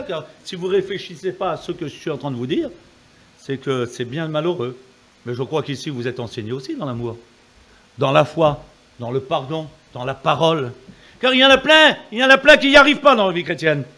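A man's voice: fairly high pitch, expressive, fairly quick, sharp tone. A man preaching an evangelical sermon with fervor, calling on the congregation to answer amen. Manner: fervent preaching, calls on the congregation for amens.

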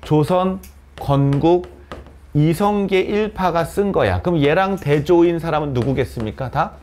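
A Korean literature teacher lectures a class in a cram school classroom with students present, often posing questions and answering them himself. His voice is fairly high, a little slow and slightly mellow.

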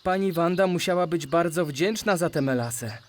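A man's voice: on the high side, moderate pace, a little hiss or hum, close to an everyday voice. Man playing an eager, curious cartoon critter. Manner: inquisitive, expressive. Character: curious, eager young male cartoon animal. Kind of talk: children's audio drama.

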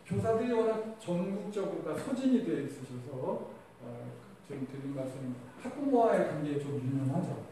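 High-voiced male teacher in echoey hall. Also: sing-song, moderate pace, mellow. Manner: conversational, quizzes the audience. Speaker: teacher giving a training lecture. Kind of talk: lecture to fellow teachers. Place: lecture room with a live audience. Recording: echoey hall, distant mic, faint noise.

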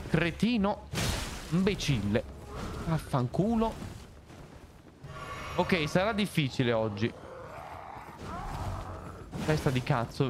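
A young man streaming a game live, reacting loudly and hurling playful insults at enemies. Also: on the high side, takes it slowly, pauses often. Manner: excitable, swears and yells insults at enemies. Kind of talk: live gameplay commentary. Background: game music.

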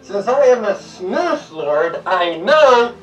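A man's voice: high-pitched, sing-song, slow. A young man hosting a comedic review, talking through a gas mask, stammering, swearing and rambling. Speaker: host. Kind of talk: comedic snus review and sketch. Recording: distant, roomy, lo-fi with music.

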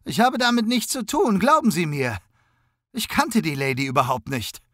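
Man voicing a young male suspect, tearful, whiny, pleading, high strained voice, dry close sound. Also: lively intonation, moderate pace, fairly bright tone, no echo.

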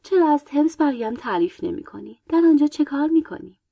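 A woman reading a story aloud, voicing a proud, vain young queen in a lightly brighter tone. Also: high voice, lively intonation, creaky, dry recording, muffled recording, voice pushed up. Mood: warm. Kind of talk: audiobook character voice.

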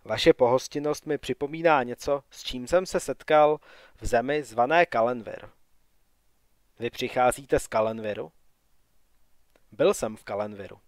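A sardonic young wanderer, soaked and grumbling, voiced by a man reading an audiobook. The voice is quiet and mocking, sitting at a middle pitch. The sound is dry and close. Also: pauses often, no echo, close to an everyday voice. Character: wry wet young male wanderer, sardonic.

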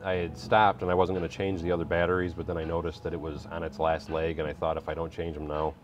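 A man's voice: deep voice, flat delivery, fast, highs cut off, noisy background. A middle-aged man hosting a live building stream, chatting casually, reading viewer comments and laughing easily. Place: indoor workshop room.

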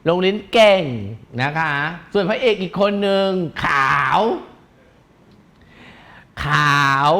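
A man chats through celebrity gossip in a camp, teasing way, often breaking into giggles. His voice sits fairly high for a man, and he uses feminine polite endings. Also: bright, forceful tone. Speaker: gossip show host.

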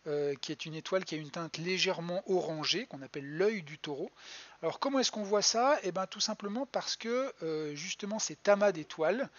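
A man's voice: high-pitched, dull audio. A man giving a live-streamed astronomy lesson as a planetarium educator, chatty and hesitant with many fillers and restarts. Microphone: home computer mic.

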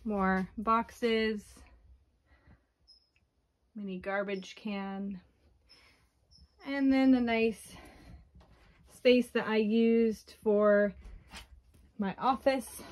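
A woman giving an unhurried walkthrough tour of her camper, plainly pointing out features one by one, recorded on a handheld phone inside the trailer. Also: on the high side, steady tone, a little mellow. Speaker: owner giving a home tour.

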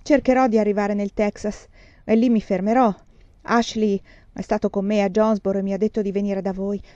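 A woman's voice: medium pitch, flat delivery, a little fast, mellow, no room sound, muffled recording, lightly acted. A woman voicing a desperate young fugitive man who talks in an urgent, boastful, raised voice, read as a storybook. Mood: excited.

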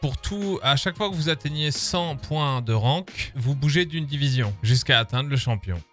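A man's voice: mid-range voice, expressive, normal speed, fairly bright tone, soft background music. A man with a French accent, casually commenting on a game update while joking and swearing as he reads patch notes aloud. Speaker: gaming streamer. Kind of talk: casual live-stream commentary.

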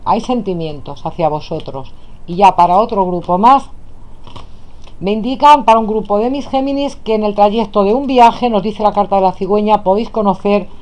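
With a mid-range voice and a Spain Spanish accent, a woman lays out tarot cards at a table and reads for her viewers, tenderly addressing them as "my loves." She's indoors, and the camera shows only her hands.

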